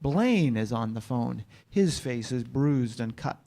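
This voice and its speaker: A man's voice: medium pitch, expressive, slow pace, dark tone. A man narrating the stage directions of a screenplay at a live staged reading.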